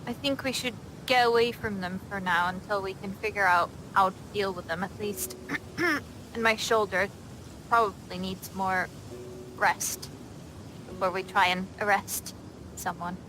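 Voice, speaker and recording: A woman's voice: medium pitch, steady tone, unhurried, noisy background. A woman improvising casual in-character talk as a player in a tabletop role-playing game.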